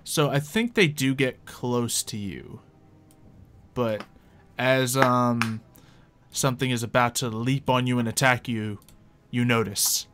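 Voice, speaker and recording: A man's voice: medium pitch, takes it slowly, fairly bright tone. Man game-mastering over background music. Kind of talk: casual narration of an online tabletop roleplay game.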